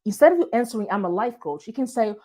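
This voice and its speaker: A woman's voice: a little high, animated, fast talker, mellow. Chatty woman with a light foreign accent. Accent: light hard-to-place foreign accent with some British touches. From Portugal. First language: Portuguese. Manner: conversational, storytelling, addresses viewers directly. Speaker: marketing strategist for coaches. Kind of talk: business advice talk to camera.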